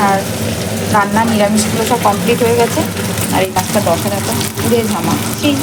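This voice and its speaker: A woman's voice: medium pitch, very noisy. A middle-aged woman chatting casually to her viewers at home, teasing and affectionate, talking to camera on a phone. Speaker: vlogger. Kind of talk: casual home vlog chat. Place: at home, bedroom and kitchen.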